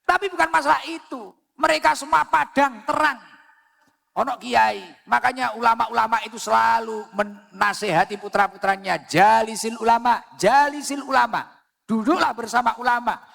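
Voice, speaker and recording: A man's voice: very high voice, fairly even intonation, moderate pace, gravelly, sharp tone, in a large hall. A man with a Javanese accent preaching a sermon on a public mic, telling jokey stories and mixing in Arabic phrases.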